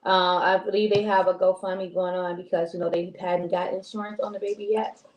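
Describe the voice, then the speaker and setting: A woman co-hosting a casual live-stream talk show, rambling and heartfelt with many pauses. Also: lowish voice, level tone, muffled recording. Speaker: co-host. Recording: echoey room with faint noise.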